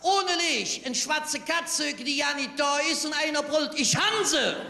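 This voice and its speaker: High-voiced Cologne carnival comedian in a hall. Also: male voice, gravelly, very noisy. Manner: tall-tale storytelling with quick punchlines. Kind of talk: carnival stage routine. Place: large carnival hall stage. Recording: echoey hall with long reverb.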